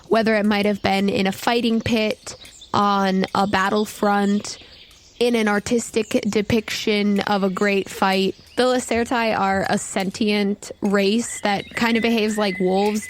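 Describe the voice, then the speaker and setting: A woman's voice: medium pitch, a little hiss or hum. A woman narrating a tabletop roleplaying game as game master, describing scenes in a conversational, improvised way.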